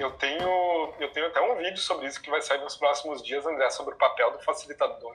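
With hardly any pauses, a man speaks at a fairly quick pace. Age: 20s. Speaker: group facilitator. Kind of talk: casual chat. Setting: live stream.

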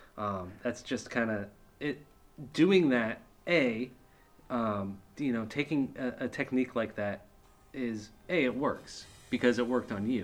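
Music plays in the background as a man speaks at medium pitch with ordinary pitch variation. His pace is fairly slow, with long, frequent pauses. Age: 30s. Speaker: film festival organizer and podcast host. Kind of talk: casual interview podcast.

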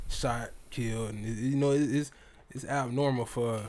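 A man with an American accent talks at a moderate pace in an unremarkable speaking voice with fairly even intonation. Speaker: podcast host.

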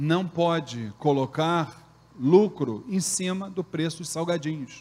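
A man talks fairly slowly, his high-pitched voice showing ordinary pitch variation. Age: middle-aged. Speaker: spiritual leader of a Umbanda temple. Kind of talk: religious Q&A talk. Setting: temple with live audience. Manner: animated.

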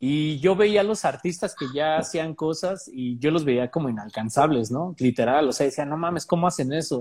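In a Mexican accent, a man speaks at a moderate pace with a fairly high pitch, ordinary pitch variation and hardly any pauses, on a very clean recording with a silent background. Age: 30s. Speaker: toy artist and illustrator. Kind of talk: casual interview chat.

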